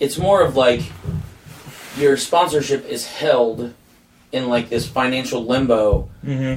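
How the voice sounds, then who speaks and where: A man's medium-pitched voice at a fairly slow pace, with ordinary pitch variation, long, frequent pauses and noticeable background noise. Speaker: podcast host. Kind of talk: casual chat.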